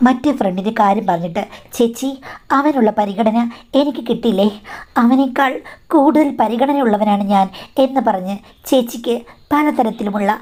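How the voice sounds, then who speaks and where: A woman's voice: medium pitch, a little mellow. A woman narrating a first-person story in an earnest, confiding way.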